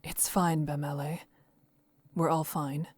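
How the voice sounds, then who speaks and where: An actress playing a calm, reserved, reassuring woman traveler in a visual novel. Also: low-pitched, slow, slightly rough, heavily acted.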